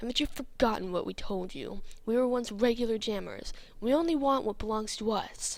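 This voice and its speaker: In a put-on, growling character voice, a woman speaks at a fairly quick pace with a fairly high pitch. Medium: read story. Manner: snarling, menacing.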